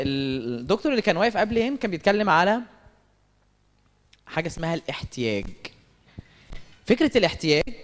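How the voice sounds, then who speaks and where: Animated Egyptian man in a reverberant church hall. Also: a little high. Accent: Egyptian Arabic. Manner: asks the audience questions and answers them. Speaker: speaker at a church service meeting. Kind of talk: lively sermon-style talk with stories.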